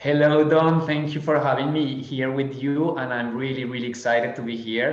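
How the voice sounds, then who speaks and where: Against noticeable background noise and audible room echo, a man with a Spanish accent speaks at a medium pitch and moderate pace, with fairly even intonation and hardly any pauses. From Colombia. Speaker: drone industry association co-founder. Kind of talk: live interview podcast.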